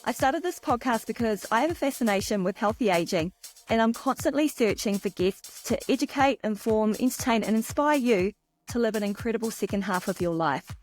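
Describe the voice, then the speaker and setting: A woman's voice: on the high side, lively intonation, a little fast, faint music behind. A middle-aged woman, hosting a podcast interview in a chatty, encouraging way. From New Zealand. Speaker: podcast host.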